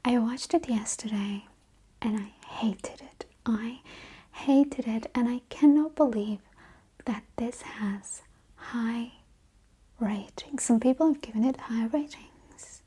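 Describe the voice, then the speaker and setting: Casting: female ASMR host, mellow breathy whisper, slightly high, hushed casual chat. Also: slow pace.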